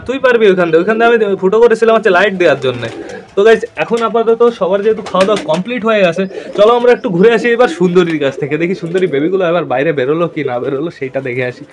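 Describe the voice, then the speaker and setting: A man in a casual vlog, chatting to his viewers about his pet pigeons from a rooftop and coaxing the birds as he goes. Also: high-pitched. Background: pigeons cooing.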